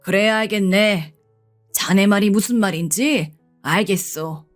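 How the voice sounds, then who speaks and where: A woman reading a first-person radio story in a steady scripted narration, over faint background music. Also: medium pitch.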